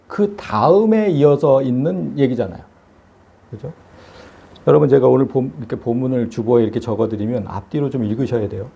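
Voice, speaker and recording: A man's voice: mid-range voice, creaky, mellow, slightly rough, lo-fi sound. A man preaching a sermon as pastor, emphatic and full of rhetorical questions.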